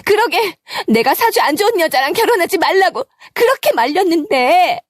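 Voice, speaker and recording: A woman narrator voicing a nagging older mother-in-law who scolds and blames in a shrill, high voice. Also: lively intonation, moderate pace, dry recording, studio quality. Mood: wailing, blaming.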